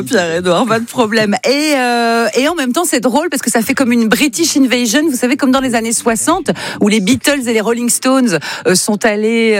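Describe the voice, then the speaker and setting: A woman hosting a live interview, enthusiastic and quick to laugh. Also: a little high, dry recording. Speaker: radio host.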